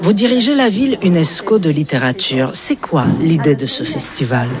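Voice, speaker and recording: A woman reporter narrating a scripted radio documentary with an expressive, lively delivery. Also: deep voice, normal speed, crowd noise.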